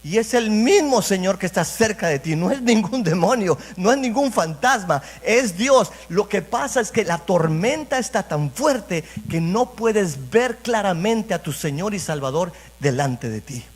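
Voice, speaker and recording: A man's voice: sits high, lively intonation, unhurried, hardly any pauses, husky. A man preaching a sermon as pastor, repeating phrases and speaking straight to the congregation. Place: church sanctuary. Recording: reverberant church hall.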